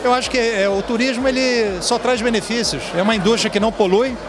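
A man's voice: extremely high pitch, quick pace, noisy background. Upbeat man with a Rio accent. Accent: Rio de Janeiro Portuguese. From Brazil. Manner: upbeat promotional, frequent "né?" tags. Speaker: hotel general manager. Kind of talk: red-carpet interview. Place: indoor event hall, crowded party. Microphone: handheld mic held by interviewer. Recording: music and crowd behind.

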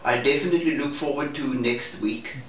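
A man speaking in a measured, hesitant and formal way in a reflective debrief conversation. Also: mid-range voice, a bit bright. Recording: roomy, distant mic, faint noise.

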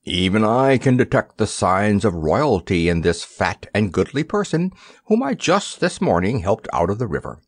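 A man voicing a huge, gentle female beast who is earnest and protective, in a storybook reading. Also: lowish voice, big pitch swings, normal speed, slightly rough, no room sound, studio quality, heavily acted.

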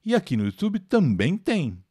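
With a close, dry sound and no room echo, an older Brazilian man runs a live English class in a slightly high, slightly rough voice at normal speed. His Brazilian Portuguese accent comes through as he speaks very animatedly, explaining patiently and taking viewers' questions by name.

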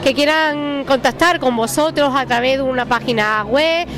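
Brief: chatty female TV host, high voice, loud band and crowd behind. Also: moderate pace. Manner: chatty, prompting questions, frequent "¿no?" tags. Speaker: TV show host. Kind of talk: on-location TV interview. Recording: live music and crowd behind.

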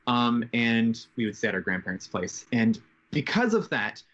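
A man in his twenties speaks as a guest in a casual interview. His delivery is reflective and halting, with a medium pitch. The sound is a little dull, like a headset on a video call from a bedroom. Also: very animated, fairly bright tone. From grew up in Japan, Canadian. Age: 20s. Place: bedroom at home. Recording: slightly dull, band-limited video call.

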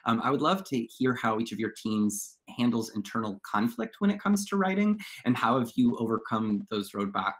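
A man's voice: medium pitch, fairly bright tone. A man moderating a conversational panel discussion over a video call. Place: indoor room, video call.

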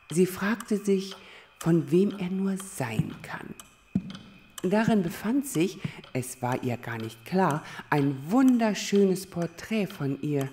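A woman voicing an earnest little creature explaining things with deliberate suspense in a children's audio drama. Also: deep voice, darkish tone. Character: little creature from the chaos chamber, earnest storyteller.

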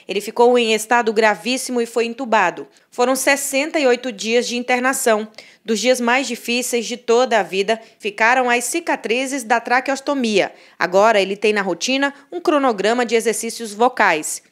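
Woman reading a news report. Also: on the high side. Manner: measured, formal delivery. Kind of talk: scripted news narration.

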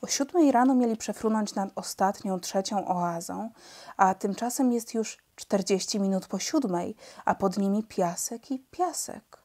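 Woman reading a children's book aloud. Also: medium pitch. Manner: expressive, measured storytelling. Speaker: audiobook narrator.

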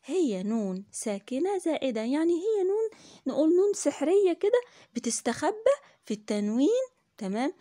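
A woman's voice: high voice, big pitch swings, fairly quick, dark tone, dry recording, clean studio sound. A woman with an Egyptian Arabic accent teaching young children in a classroom lesson, repeating each point patiently, asking the class questions and praising answers. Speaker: primary school teacher.

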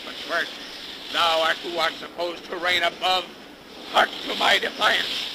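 An actor playing a defiant, blasphemous sea captain in 1930s radio melodrama, declaiming theatrically in archaic speech. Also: male voice, on the high side, fairly even intonation, measured pace. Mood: defiant rage. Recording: noisy 1930s radio recording.

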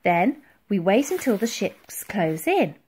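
A woman's voice: mid-range voice, sing-song, takes it slowly, a little mellow, slightly rough, full character voice. A woman voicing a plucky, determined young girl in a children's story, speaking eagerly and insistently.

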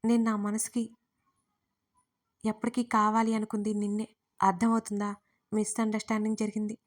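A woman's voice: medium pitch, little pitch movement, moderate pace, close to an everyday voice. A woman narrator voicing a young man, an insistent and pleading lover, in an audio story. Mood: earnest.

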